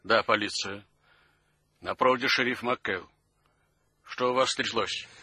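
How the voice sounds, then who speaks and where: An unruffled sheriff in a radio drama. The man speaks formally and matter-of-factly in a crisp, forceful tone with a dry sound. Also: mid-range voice, a little slow, no room sound, exaggerated voice. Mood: calm, official. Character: unruffled, official small-town American sheriff.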